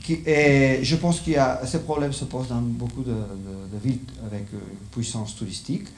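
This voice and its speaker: A man's voice: mid-range voice, steady tone, moderate pace. A middle-aged man with a Spanish accent, a non-native speaker giving a live lecture and often searching for his words. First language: not French, speaks it as a foreign language. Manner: hesitant, searching for words in a second language. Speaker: conference speaker. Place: indoor lecture room with seated audience. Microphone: handheld microphone. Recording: echoey room, slight background noise.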